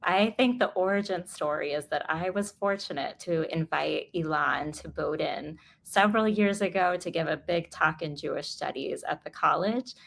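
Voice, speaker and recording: An American woman talks as a guest author in an interview. Her voice sits slightly low with a noticeable vocal fry, and she answers conversationally. A faint ambient noise runs behind her. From Los Angeles, United States.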